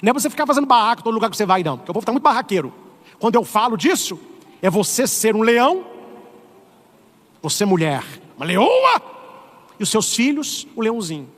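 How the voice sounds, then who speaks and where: A middle-aged man with a Brazilian Portuguese accent, a priest preaching an animated, humorous sermon. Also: high voice, fast, in a large hall. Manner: animated, humorous, acts out voices. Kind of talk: lively sermon.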